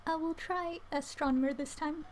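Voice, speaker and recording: Female game streamer, fairly high voice, casual live commentary with faint noise behind. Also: steady tone, normal speed.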